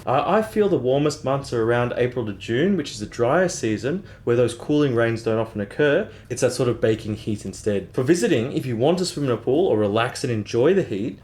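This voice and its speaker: A man narrating travel tips for a vlog in a clear, upbeat, measured way. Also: mid-range voice, a little mellow. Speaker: travel vlogger.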